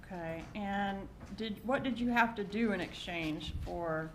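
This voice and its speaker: A woman prosecutor conducts a direct examination. Her voice sits at an average pitch for a woman, and she asks short, pointed questions. The courtroom recording carries some faint noise. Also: unhurried, low-quality recording.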